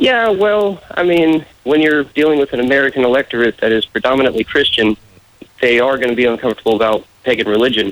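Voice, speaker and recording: At a very fast pace, a medium-pitched man talks with lively intonation and very even loudness, in a dry, close sound with no echo. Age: 30s. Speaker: political candidate. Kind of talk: radio interview.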